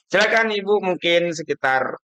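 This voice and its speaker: A man's voice: high voice, animated, normal speed, sharp tone, smooth. A man hosting an informal live stream, chatty and often echoing what his guests say. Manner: chatty, repeats guests' words. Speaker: host.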